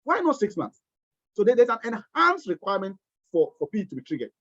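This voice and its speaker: A man lectures over a webinar, pressing his points hard and circling back through repeated words and restarts. His voice sits high for a man. The sound is dry and dull, like a lo-fi computer mic. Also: huge pitch swings, fast, a bit bright, no room sound. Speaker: webinar presenter on tax treaties. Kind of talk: lecture-style webinar talk.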